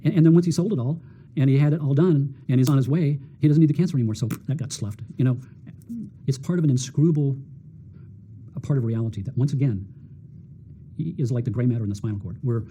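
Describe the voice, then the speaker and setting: A middle-aged man talks quickly and eagerly, his voice dark and a little husky. He tells stories as a doctor being interviewed, often repeating words and acting out what people said. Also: mid-range voice. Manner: energetic, repeats words, acts out quotes. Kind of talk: animated storytelling talk.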